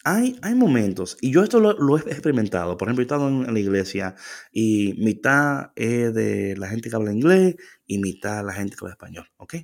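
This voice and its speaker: A man co-hosting a casual faith talk, animated and slipping into English phrases. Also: fairly low pitch, a little fast, creaky. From Latino. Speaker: co-host.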